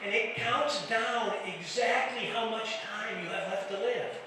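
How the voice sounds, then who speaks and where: On the club stage, the middle-aged or older Detroit comedian talks a little slowly in a voice that sits high. He mocks himself, stammers into restarts, and ribs the crowd, all captured distantly with echo and crowd noise.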